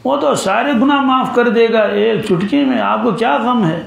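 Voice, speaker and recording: A man teaching a Quran commentary lesson, quoting Arabic verses slowly and having listeners finish his sentences. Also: extremely high pitch, creaky, echoey room. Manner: quotes Arabic verses slowly, then explains them.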